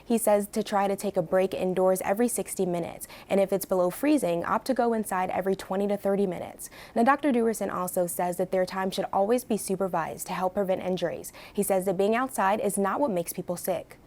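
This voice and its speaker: An American woman delivers a live TV news report. Her voice sits at a middle pitch, and she reads in a polished, emphatic newsreader style. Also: a little fast, hardly any pauses, darkish tone.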